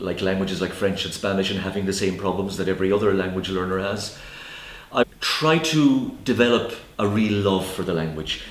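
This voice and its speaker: A man with an Irish accent talks at a fairly quick pace and a fairly low pitch, with noticeable background noise and audible room echo. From Ireland. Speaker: English teacher. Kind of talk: interview.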